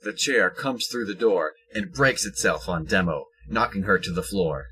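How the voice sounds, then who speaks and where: A man's voice: low-pitched, moderate pace, sharp tone, breathy edge, rough recording. A man reading scripted present-tense action narration for an audio drama.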